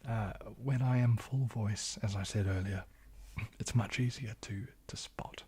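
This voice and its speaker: A man with a soft New Zealand accent that can pass for British, chatting to viewers on an ASMR livestream in a hushed, breathy, often half-whispered voice, polite and halting. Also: lowish voice. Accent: New Zealand, soft, often taken for British. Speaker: ASMR YouTuber hosting a live stream. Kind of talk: ASMR livestream chat, reading and answering viewer comments.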